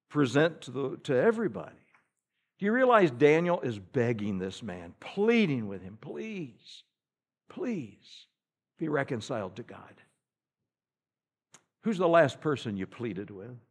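Animated preaching man, swinging volume. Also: mid-range voice. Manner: preaching with rhetorical questions and dramatic swings in loudness; reads scripture aloud in King James wording. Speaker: pastor. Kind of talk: sermon. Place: church sanctuary.

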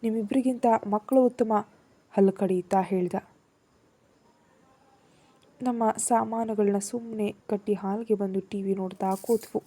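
Woman reading a romance story, really dark mellow voice, bit husky, acts out the feelings. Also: mid-range voice, measured pace, long pauses. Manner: expressive, acts out the heroine's feelings. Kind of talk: first-person story narration.

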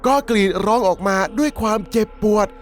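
A man's voice: high voice, a little fast, faint music behind. A man narrating a dramatic horror story recap, conversationally and politely addressing his listeners as he goes. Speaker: storyteller, channel host.

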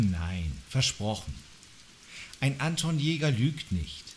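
A man's voice: on the low side, very animated, takes it slowly, slight background noise. A young man playing a police trainee, speaking in a friendly, reassuring way. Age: young adult. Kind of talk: radio drama acting.

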